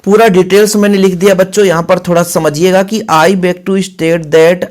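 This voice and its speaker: A man's voice: sits high, little pitch movement, moderate pace. A man teaching a coaching class, explaining step by step, repeating phrases and checking in with students. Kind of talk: classroom lesson explanation, Hindi mixed with English terms.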